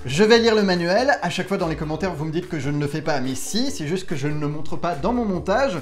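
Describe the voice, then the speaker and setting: A man's voice: a little high, expressive, quick pace, soft background music. A man hosting a casual unboxing vlog, talking to viewers in a playful, self-mocking way from a room at home. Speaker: YouTube host testing gadgets.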